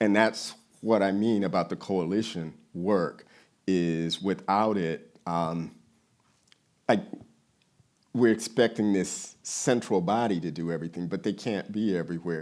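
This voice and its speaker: With fairly even intonation, a man speaks at a fairly slow pace with long, frequent pauses. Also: fairly low pitch for a man. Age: 60s. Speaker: history professor. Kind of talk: lecture Q&A. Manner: conversational, frequent fillers.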